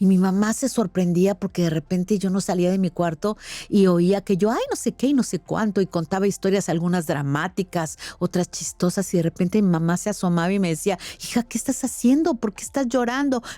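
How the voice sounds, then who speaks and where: A woman with a Mexican accent at medium pitch, fairly quick, with a dark, mellow tone, very even loudness, a dry, close sound with no echo and a very clean, silent background. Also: ordinary pitch variation. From Mexico. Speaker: voice actress and vocal coach. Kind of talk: interview.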